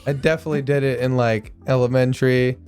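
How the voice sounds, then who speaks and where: A man's voice: medium pitch, little pitch movement, fast, a little mellow, soft background music. A man bantering casually on a podcast in a joking, offhand way.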